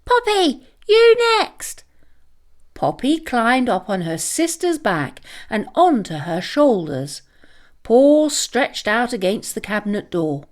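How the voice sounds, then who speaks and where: A woman reading a scripted children's story aloud as a dramatic, expressive storyteller. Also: mid-range voice, slow pace.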